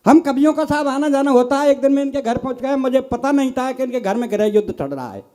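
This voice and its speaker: An older comic poet from Bharatpur district in Rajasthan performs a stand-up poetry recital on a live poets' gathering stage, telling teasing, folksy stories and addressing the audience as "sahib." His voice is very high-pitched, fast and a little mellow.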